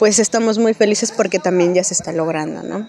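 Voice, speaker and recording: Medium pitch from a woman, with noticeable background noise. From Guatemala, Verapaces. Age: young. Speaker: peasant organization member. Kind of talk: interview.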